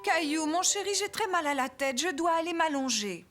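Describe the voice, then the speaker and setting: A woman's voice: very high-pitched, animated, moderate pace, fairly bright tone, soft background music. A woman playing an affectionate, weary mother in a French-language children's cartoon.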